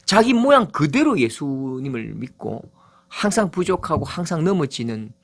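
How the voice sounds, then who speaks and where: A middle-aged male pastor delivering a sermon, with emphatic rises and low, quiet asides. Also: big pitch swings, moderate pace.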